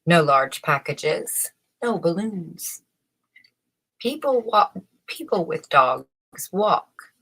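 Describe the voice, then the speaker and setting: A woman's voice: fairly low pitch, animated, drawn-out words, a bit bright, slightly rough, full character voice. A woman voicing a strict male bus conductor in a storybook, reciting rules in clipped, stern phrases. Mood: stern, officious. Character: strict rule-bound bus conductor, stern adult man.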